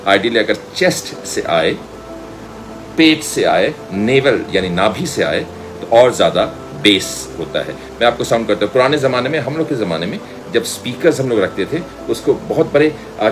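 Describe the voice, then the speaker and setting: A middle-aged man with an Indian accent gives an informal lecture, telling personal anecdotes in an animated way and mixing in English phrases. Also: mid-range voice. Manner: animated storyteller, acts out dialogue, mixes in English phrases. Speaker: media school director and voice trainer.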